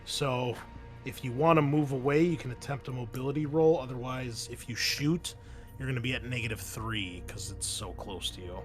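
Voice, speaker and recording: A man's voice: mid-range voice, moderate pace, over music. A man running a tabletop roleplaying game as game master, switching between vivid descriptive narration and casual rulings.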